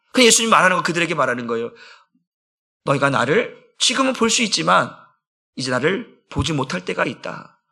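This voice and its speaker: A middle-aged male pastor preaching in a church. His voice is high and very lively, with a sharp, bright edge and some gravel in it. He swings from loud, urgent calls to quiet, low asides. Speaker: senior pastor. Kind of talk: sermon. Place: church sanctuary.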